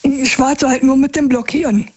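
A woman's voice: high voice, fairly even intonation, moderate pace, a little mellow, husky. A woman calling in to a radio show, answering hesitantly and mostly agreeing in short replies. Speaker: caller. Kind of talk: phone-in conversation. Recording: dull phone-line sound.

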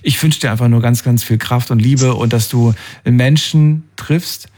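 A man hosting a call-in radio show, giving callers empathetic advice and coaxing them with questions that swing up in pitch. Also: normal speed, a little mellow.

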